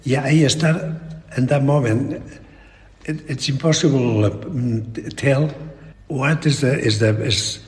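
A very old man with a Spanish accent, talking reflectively in an interview in halting, broken English with repeated words. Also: medium pitch. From Spain. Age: elderly. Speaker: painter being interviewed. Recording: long echoing reverb in a hall.

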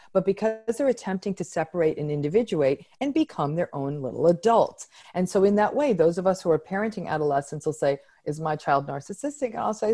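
A woman answering interview questions as a psychologist, articulate and frank with lively emphasis. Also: fairly low pitch. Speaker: psychologist guest.

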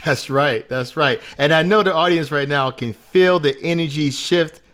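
A man's voice: fairly high pitch, moderate pace, a bit bright. A man hosting a Christian talk show, introducing his guest with upbeat, hype-man energy. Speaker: show host.

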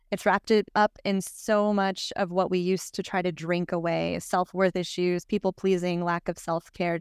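A woman's voice: fairly low pitch, clean tone, dry recording, studio quality. A woman hosting a podcast conversation, introducing guests and putting questions to them. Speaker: podcast host.

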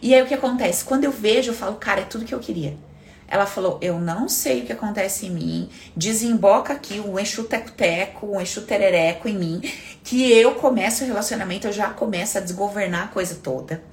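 A woman hosting a casual self-help live talk, animated and acting out inner voices, swearing casually. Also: mid-range voice, a little fast, slight background noise.

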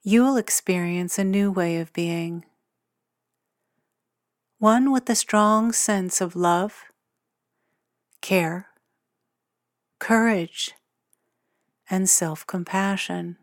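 A woman leads a guided meditation at a very slow pace. Her delivery is gentle and measured, with long pauses between short phrases. Her mid-pitched voice is recorded close and dry, with no room sound. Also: no room sound. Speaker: meditation guide and podcast host.

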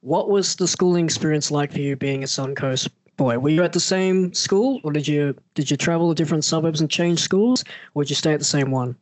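A man's voice: fairly high pitch, a little fast, few pauses, dry recording, rough recording. A man hosting a casual podcast interview, friendly, piling up several questions at once. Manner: friendly, asks stacked questions, says man and yeah a lot. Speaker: podcast host.

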